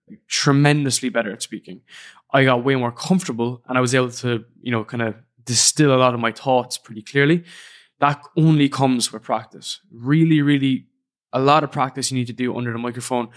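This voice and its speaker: A man's voice: medium pitch, steady tone, brisk. A young man with an Irish accent, hosting his own podcast and reflecting in a casual, earnest way. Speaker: podcast host. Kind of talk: solo podcast monologue. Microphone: studio podcast microphone.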